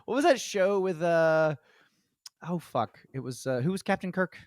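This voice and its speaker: A man's voice: high voice, animated, moderate pace, no room sound, studio quality. A man hosting a comedy podcast, reading notes, swearing and joking with friends. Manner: profane, joking, laughing often. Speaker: podcast host leading the episode.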